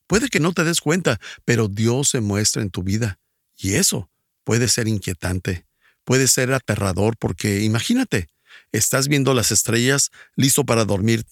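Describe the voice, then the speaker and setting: A man's voice: mid-range voice, no room sound, clean studio sound. A man preaching a recorded sermon in Spanish, earnest and asking listeners direct questions.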